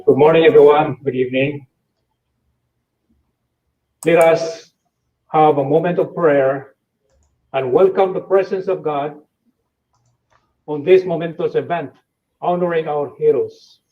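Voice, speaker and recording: A man's voice: fairly high pitch, steady tone, phone-quality sound. A man, a bishop, leading a solemn spoken prayer at an event over a video call. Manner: slow, solemn. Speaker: bishop giving invocation.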